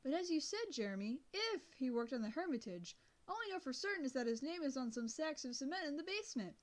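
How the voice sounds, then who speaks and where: A cautious teenage girl reasons things through calmly, as a woman reader voices her. The voice sits fairly high with lively pitch. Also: fast.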